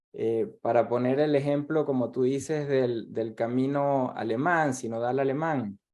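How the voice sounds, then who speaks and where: In a plain, everyday voice, a man speaks at a medium pitch and a fairly slow pace, with fairly even intonation and hardly any pauses. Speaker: theologian. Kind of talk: webinar discussion.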